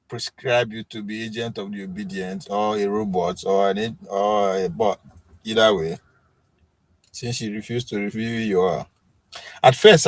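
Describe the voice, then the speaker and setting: A Nigerian man hosting a live stream, talking in a loose, self-assured ramble full of fillers and restarts. His voice sits at an ordinary middle pitch. The sound is dry and close, with no room around it. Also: no echo. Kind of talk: casual chat with chat commenters.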